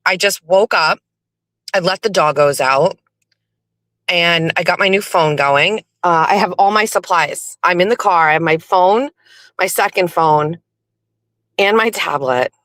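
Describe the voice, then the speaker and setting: Driving in her car, a woman hosts a casual morning show, talking into a phone mounted in a cradle. Her voice is lowish, a bit slow and somewhat bright, with a slightly scratchy, just-woke-up quality. She's chatty, laughs a lot and rambles into asides, and the recording has no room sound.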